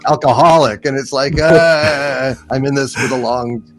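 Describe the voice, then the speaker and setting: A man's voice: mid-range voice, steady tone, a little slow. A man speaking as a guest in a casual chat, with an earnest, encouraging manner. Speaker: panel guest.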